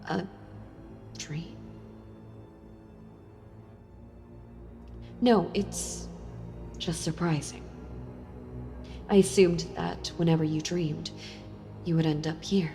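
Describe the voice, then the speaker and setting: A woman playing a sealed-away female villain in an audio role-play, speaking to the listener tenderly, intimately and with hesitant pauses. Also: lowish voice, fairly even intonation, creaky, warm tone. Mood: gentle, probing. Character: sealed-away female villain, wistful, softly seductive and enthralled. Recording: long reverb with music behind. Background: music.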